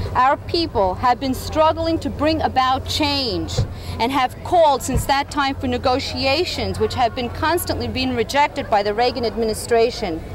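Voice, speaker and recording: A woman speaks at a high pitch with hardly any pauses. Noticeable background noise is present. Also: ordinary pitch variation, moderate pace. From El Salvador. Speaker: activist speaker. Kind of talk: prepared rally speech.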